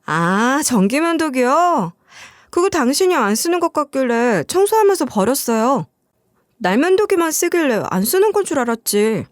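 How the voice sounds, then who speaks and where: A woman's voice: high voice, big pitch swings, moderate pace, dry recording, studio quality. A woman voicing a young wife who is easily hurt and answers defensively and plaintively. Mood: casual.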